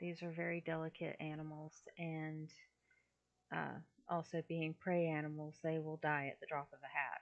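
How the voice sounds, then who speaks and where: Long, frequent pauses break up a soft-spoken woman's very deep, low, flat and monotone delivery at a moderate pace. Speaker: artist streaming her drawing work. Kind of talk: casual live-stream talk while working. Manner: hesitant, many fillers.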